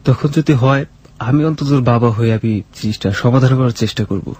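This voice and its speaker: A man with a Bangladeshi accent answering personal questions as a guest, in a plain, sincere, halting way. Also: mid-range voice, a little mellow. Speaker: guest telling his life story. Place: radio studio.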